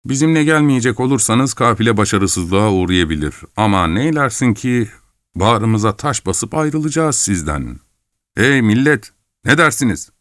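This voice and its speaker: This is a wiry, graying adventurer played by a male reader in an audiobook, boastful and full of mockery. He talks in a low register, dry and close with no room sound. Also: expressive, moderate pace, no room sound. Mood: mocking. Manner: mocking, persuasive. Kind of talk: audiobook character voice.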